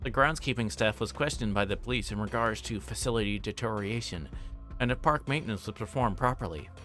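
A man livestreaming a visual novel, reading text aloud and commenting casually in a halting, informal way. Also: lowish voice, fairly bright tone, soft background music. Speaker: streamer.

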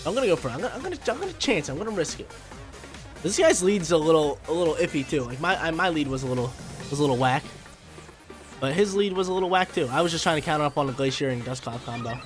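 A young male gaming YouTuber with a rather high voice gives live commentary over a video game battle, rapid, excitable and hyped. His nose is stuffed up from allergies, making him congested and nasal, and he uses slang and talks to himself about his moves over faint game music.

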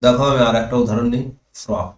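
Male teacher, online grammar lesson, slow dictation with stressed key terms, echoey room. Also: medium pitch.

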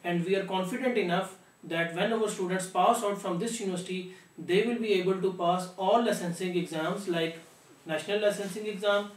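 A young man delivers a formal scripted address as an academic director. His voice is high for a man, with clear room echo and a slightly distant mic. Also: fairly even intonation, fairly quick. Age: young adult. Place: small office, seated at desk.

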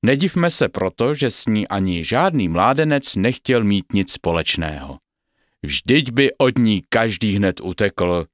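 A man's voice: fairly low pitch, no echo, studio quality. A man narrating a bedtime fairy tale, speaking directly to the children listening. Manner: lively, addressing children directly. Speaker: storyteller.

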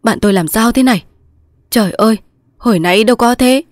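In a storybook reading, a woman voices a young male resistance soldier who pleads, grieving, in loud sobbing outbursts. Her delivery is fairly high and brisk, pitched above her own voice and lightly acted, in a clean studio recording with no room sound.

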